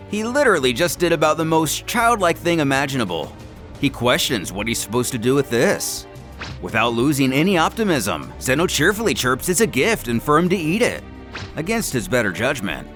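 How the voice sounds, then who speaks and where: A man giving an animated, dramatic scripted narration of a manga story, as a narrator and host. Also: mid-range voice.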